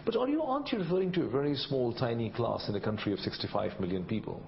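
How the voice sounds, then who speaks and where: A man's voice: medium pitch, expressive, fast, gravelly, highs cut off, a little hiss or hum. A man interviewing a guest, asking probing and challenging questions.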